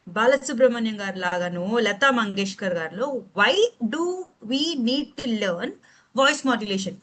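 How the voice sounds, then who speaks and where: A woman trainer with a Telugu Indian accent talks in a fairly high voice. She runs an interactive session in a conversational way, questioning her listeners and slipping between her language and English. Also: a bit bright. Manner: conversational, questioning the audience, code-switching into English.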